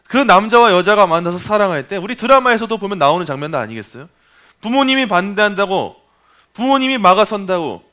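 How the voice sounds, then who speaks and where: A man preaching a sermon at a Friday evening prayer meeting, emphatic and animated, acting out voices. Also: high voice.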